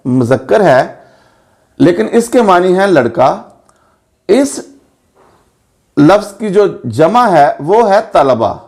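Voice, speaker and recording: Male language teacher, slightly high voice, slow and deliberate delivery, spells words out mark by mark. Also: a little mellow. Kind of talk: pronunciation lesson.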